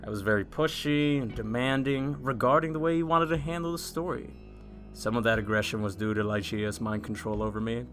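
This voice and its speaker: A man's voice: on the low side, fairly bright tone, natural voice. An actor playing an earnest, mild-mannered, apologetic newspaper man in an audio drama.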